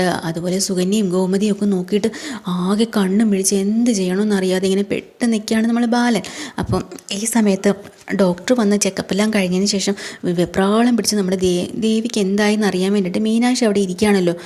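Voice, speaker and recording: A woman's voice: medium pitch, steady tone, fairly quick, mellow. A woman casually retelling a television serial episode, chatty and colloquial with frequent tag words and fillers. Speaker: serial recap narrator. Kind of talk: casual spoken story recap.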